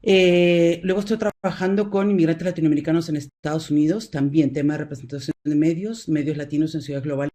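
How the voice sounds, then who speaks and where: A middle-aged woman with a Peruvian Spanish accent, a university professor giving an academic presentation over a video call, pausing often with fillers and restarting her sentences. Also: sits low, fairly even intonation, mellow. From Peru. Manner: hesitant, many fillers and restarts.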